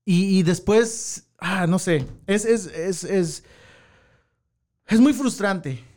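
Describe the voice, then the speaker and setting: A man's voice: sits high, very slow, darkish tone. A man vents in casual, slangy chat. He talks about what frustrates him. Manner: venting, slangy.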